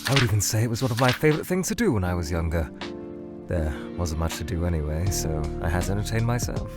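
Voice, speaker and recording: A man's voice: low-pitched, lively intonation, quick pace. A man voicing a formal, eccentric male monster scientist who murmurs in a whispery, theatrical way and breaks into panicked outbursts. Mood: reflective. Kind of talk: fan-made ask-series voice acting. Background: music.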